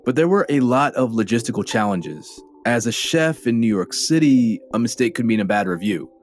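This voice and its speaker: Man, mid-pitched host, playful scripted narration, soft music bed under him. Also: lively intonation, moderate pace. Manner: playful, conversational. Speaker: host and reporter.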